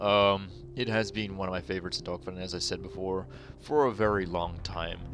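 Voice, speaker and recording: A man speaks with a very deep, low pitch and ordinary pitch variation. His pace is moderate, with music in the background. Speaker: gaming video host. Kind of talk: casual game commentary.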